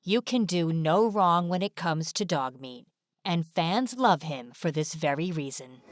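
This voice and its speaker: A woman's voice: low voice, lively intonation, a little slow, dry recording. A woman reading scripted narration as the presenter of an informational video. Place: dry studio voice-over.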